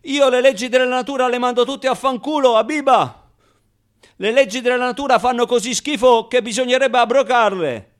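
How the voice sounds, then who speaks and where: A man acting a radio theatre monologue as a cheeky, wounded motherless Arab orphan recalling his childhood, in a colloquial, halting, theatrical way. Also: very high voice. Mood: angry, loud. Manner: colloquial, halting repetitions, swinging from outbursts to hushed confiding. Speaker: stage actor performing a monologue.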